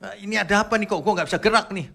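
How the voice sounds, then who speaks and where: A man's voice: high-pitched, steady tone, very fast, creaky, pushed and bright, pitched above the performer's own voice, full character voice. A man voicing a freshly dead man who is confused and panicking because he cannot move. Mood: bewildered. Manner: bewildered, questioning.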